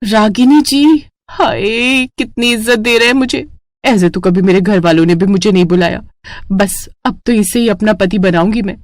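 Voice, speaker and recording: A woman's voice: mid-range voice, moderate pace, a little mellow, no room sound, studio quality, natural voice. A woman voicing a dramatic, sarcastic young newlywed who grumbles about her chores in a cartoon. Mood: playful. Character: young overworked new bride, dramatic and sarcastic. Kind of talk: cartoon voice acting.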